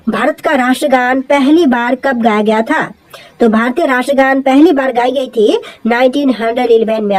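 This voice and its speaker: A woman with a Hindi accent reading out quiz questions and answers, repeating each answer in a steady, explaining way. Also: a little high, rough recording. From India. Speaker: quiz presenter.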